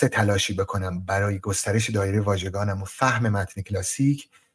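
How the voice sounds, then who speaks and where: Somewhat breathy and fairly low in pitch, a man talks at a moderate pace. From Iran, Mazandaran (Sari). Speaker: artist and translator. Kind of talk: interview.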